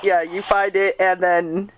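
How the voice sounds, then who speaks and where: A woman's voice: lowish voice, flat delivery, measured pace, background noise. A woman hosting a casual fan interview, telling stories in an enthusiastic, rambling way. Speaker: podcast host and radio drama writer.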